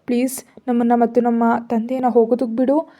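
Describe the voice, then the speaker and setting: A woman's voice: on the high side, little pitch movement, fast, mellow, close to an everyday voice. A woman doing a frightened pleading young wife. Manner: pleading, fearful.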